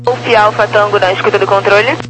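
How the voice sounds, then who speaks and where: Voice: mid-range voice, fairly even intonation, brisk, a bit bright, faint music behind. A Brazilian air traffic controller giving procedural instructions over aviation radio. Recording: noisy radio with mains hum.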